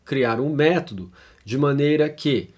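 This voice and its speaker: A man's voice: mid-range voice, unhurried, darkish tone, husky. A Brazilian man with a Brazilian Portuguese accent, giving an informal lecture as he reads out a text and comments on it, often tagging his sentences with questions. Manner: conversational, frequent tag questions and fillers. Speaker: lecturer on theology.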